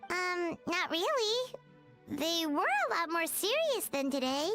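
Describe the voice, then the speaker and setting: A woman voicing a tiny, excitable childlike fairy girl companion in an anime video game, squeaky, perky and cheeky. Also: slow pace, soft background music, full character voice. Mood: curious. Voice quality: squeaky, shrill.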